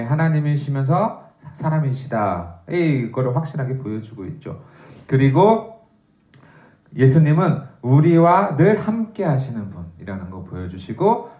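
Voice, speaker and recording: A man's voice: fairly high pitch, darkish tone, roomy sound, highs cut off. A man, a pastor, giving a dawn prayer sermon in a conversational way, reading scripture aloud with raised emphasis. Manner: conversational preaching with frequent "예" fillers.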